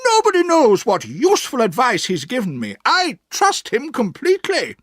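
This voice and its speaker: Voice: medium pitch, huge pitch swings, normal speed, no echo, clean studio sound, pitched above the performer's own voice. A narrator voicing a stern, cross elderly aunt who is kind underneath, speaking sharply and bossily. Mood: firm, sharp. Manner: sharp and bossy, shouting when angry. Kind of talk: storybook reading.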